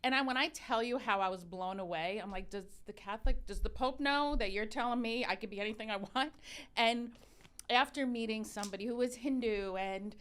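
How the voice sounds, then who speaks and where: With a fairly high, clear, resonant voice and a fairly quick pace, a woman in her fifties tells candid stories in a casual interview. She is a religious educator and consultant whose first language is Arabic. Her storytelling is animated and full of restarts.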